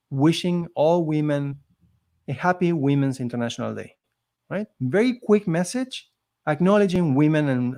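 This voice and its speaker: Slightly high and a little mellow, this man's voice carries a non-native accent in English. He is an immigrant living in Canada who, as a podcast guest, tells his story conversationally with earnest emphasis and a motivational tone.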